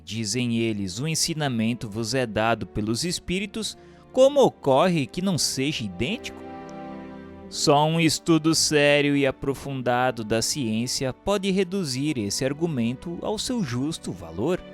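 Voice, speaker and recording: A Brazilian man reads a scripted text as a formal narrator. His delivery is slow and instructive, with pitch that moves expressively through each phrase. Faint music plays behind his voice. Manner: formal, measured, didactic delivery. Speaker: narrator reading a book aloud.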